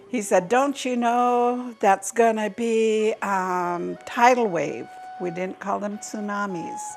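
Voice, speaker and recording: Music plays behind a woman who speaks at a very slow pace with ordinary pitch variation. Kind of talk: interview answer.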